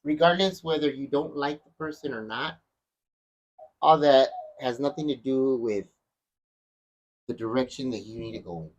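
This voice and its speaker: A man in a casual podcast chat, telling his story in a halting, roundabout way and swearing now and then. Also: mid-range voice, lo-fi sound. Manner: halting, many fillers and restarts, swears. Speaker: podcast guest.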